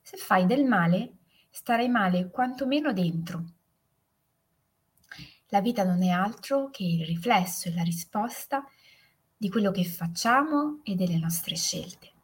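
Patient father in a spoken story, soft and breathy, slow and low, read by a woman. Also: animated. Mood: gentle.

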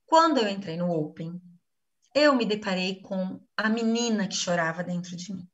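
A woman's voice: mid-range voice, lively intonation, moderate pace, recorded from a distance, muffled recording. A Brazilian woman giving an earnest personal testimony in a live class, acting out the things she once said. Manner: earnest, acts out her own quoted speech.

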